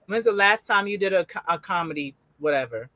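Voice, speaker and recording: A young adult woman co-hosting a casual TV review show at home, chatty and quick to laugh, with loose slang. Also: on the low side, lively intonation, sharp tone, no echo.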